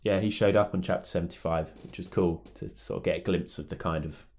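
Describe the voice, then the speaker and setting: A man hosting a casual podcast chat, talking loosely and trailing off into low mutters. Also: steady tone, fast, a little mellow, slight background noise. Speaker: podcast host.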